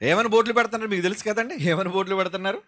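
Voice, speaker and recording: A male pastor preaching an impassioned sermon, firing rhetorical questions at his listeners and swinging from loud outbursts to soft asides. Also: high-pitched, rapid-fire.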